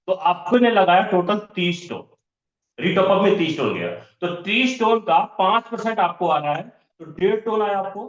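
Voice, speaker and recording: A man leads an online training session, repeating each number as he works through the arithmetic step by step. His voice sits a little high. The sound is roomy and dull, like a lo-fi video call. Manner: repetitive, walks through sums step by step. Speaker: business trainer. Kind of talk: online training session explaining income plans.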